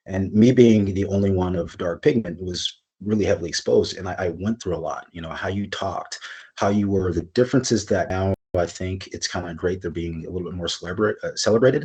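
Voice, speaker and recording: With an American accent, a man talks at a fairly quick pace in a fairly low pitch. His voice is somewhat breathy, with ordinary pitch variation. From US Pacific Northwest (Kirkland, Washington), earlier Orange County, California. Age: 40s. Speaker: personal trainer. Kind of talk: podcast interview.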